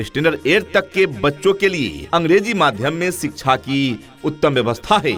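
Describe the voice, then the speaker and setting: Music plays in the background. A man talks with very wide pitch swings. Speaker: advertisement voice-over artist. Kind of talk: school radio advertisement read. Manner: upbeat, energetic, promotional.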